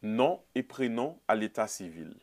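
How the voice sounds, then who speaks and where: A man's voice: fairly low pitch, very animated, a little slow, a little mellow, faint music behind. A man hosting a studio talk show, speaking to the audience in a theatrical way. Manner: theatrical, addresses the audience directly.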